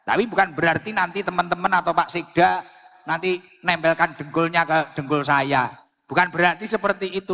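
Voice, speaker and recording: A man's voice: high voice, vocal fry, a bit bright, big-room sound. A man with a Javanese accent preaching a sermon on a public mic, telling jokey stories and mixing in Arabic phrases.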